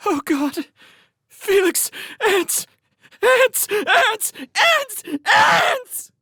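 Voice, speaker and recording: A man's voice: very animated, a little slow, no room sound, studio quality. A man voicing a female soldier who giggles and chats, then cries out in terror as the ground shakes. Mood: screaming. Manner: giggly, then shrill panicked screaming. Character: female soldier Showen (Canada), chatty then terrified.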